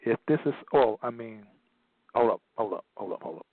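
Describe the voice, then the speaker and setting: A man delivering a forceful lecture at a middle pitch, repeating key phrases for stress and sometimes reading from a page. The sound is thin and phone-like, with no room echo at all. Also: lively intonation, moderate pace. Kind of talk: emphatic lecture, partly read aloud. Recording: tinny phone-like line, dry.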